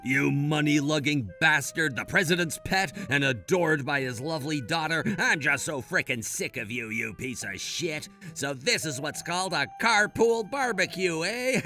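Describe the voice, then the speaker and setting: A man's voice: on the high side, unhurried, few pauses, bright, forceful tone, soft background music. A man voicing a spiteful, crude bully of a boss who sneers and cackles. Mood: gloating.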